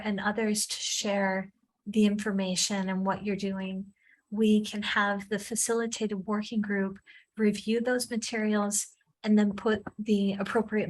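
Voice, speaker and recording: A woman's voice: medium pitch, low-quality recording. A woman facilitating an online meeting in a friendly, informal way with some fillers.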